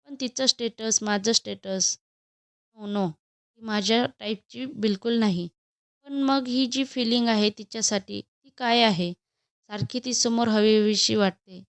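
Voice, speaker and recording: A woman's voice: fairly high pitch, steady tone, unhurried, clean tone, no echo. A woman voicing a brusque young male boss in a storybook, asking curt, demanding questions. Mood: musing.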